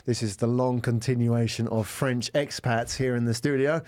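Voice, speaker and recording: A man's voice: medium pitch, steady tone, normal speed, darkish tone, no echo. A man hosting a studio interview, chatty and jokey, with apologetic asides. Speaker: podcast host.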